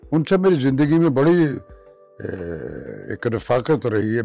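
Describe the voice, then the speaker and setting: Music plays in the background as a man speaks. His pitch variation is ordinary. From Pakistan. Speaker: actor. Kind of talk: interview answer.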